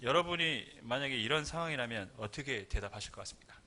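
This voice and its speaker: A man's voice: mid-range voice, expressive, fast talker, bright, forceful tone. A man preaching a Sunday sermon in a conversational way, acting out little quoted exchanges as he explains. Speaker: pastor.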